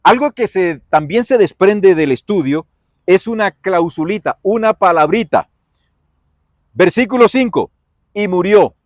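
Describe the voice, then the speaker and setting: Brief: Colombian pastor, high voice, dry close mic, folksy Bible teacher. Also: male voice, unhurried, no room sound. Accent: Colombian Spanish. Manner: folksy, animated, asks and answers his own questions. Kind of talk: Bible lesson, preaching.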